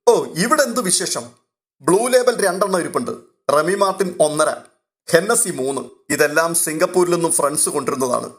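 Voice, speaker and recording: A dry, mocking ex-soldier of middle age, read by a male narrator, sharper and a touch brighter than the narration. He sounds cold and unbothered by his visitors, in a storybook reading. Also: a little high, expressive, normal speed, voice pushed up. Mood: sardonic. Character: dry, sarcastic middle-aged ex-soldier host.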